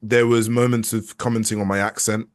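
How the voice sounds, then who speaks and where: Low-voiced man, candid and reflective. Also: level tone, brisk. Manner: candid and reflective, with frequent restarts and hesitations. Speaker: video game actor as interview guest. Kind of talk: casual conversational interview.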